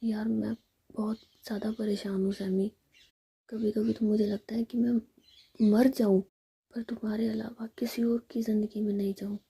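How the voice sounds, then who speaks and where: A woman's voice: medium pitch, flat delivery, normal speed, gravelly, dark tone, slightly rough. A woman voicing a playful but worried young woman facing an arranged marriage, whispered.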